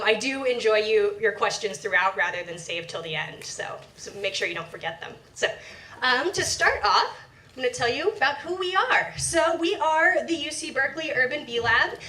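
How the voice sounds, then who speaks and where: A young woman researcher gives a lively public lecture to a live audience in a lecture room, animated and energetic and moving around as she talks, with a fairly high pitch. She uses a handheld or stand mic but sometimes strays from it, so her voice sounds distant in the echoey room.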